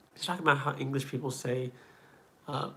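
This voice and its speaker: A man speaks at a medium pitch with fairly even intonation. Noticeable background noise runs under his voice. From Kansas, US. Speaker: atheist streamer. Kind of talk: casual live stream chat. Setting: home desk, live stream.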